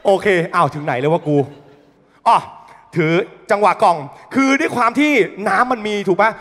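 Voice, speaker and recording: A young man doing stand-up, telling an animated, profane story full of sound effects. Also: high voice, normal speed. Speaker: comedian. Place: studio stage. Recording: long reverb in a studio hall.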